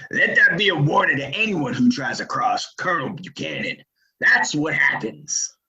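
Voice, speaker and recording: Ruthless Old West outlaw colonel played by a man, forceful. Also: on the high side, expressive, moderate pace, muffled recording, exaggerated voice. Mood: threatening. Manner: folksy frontier drawl phrasing, threatening. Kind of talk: Western audio drama acting.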